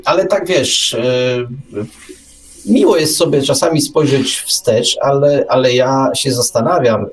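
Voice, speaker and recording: A man's voice: mid-range voice, a little mellow. Rambling, wry radio man. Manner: rambling, wry, teasing, repeats words. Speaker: radio show co-host. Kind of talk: casual live radio chat.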